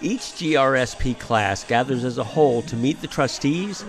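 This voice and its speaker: A man giving scripted narration for a promotional video in a measured, formal way. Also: mid-range voice, animated. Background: music.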